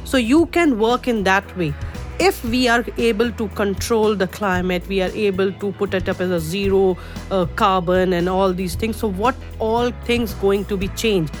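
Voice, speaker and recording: Soft background music accompanies a middle-aged Indian woman, a native Urdu speaker, chatting as a guest artist in a casual interview. She speaks at medium pitch, hesitating with lots of fillers and false starts.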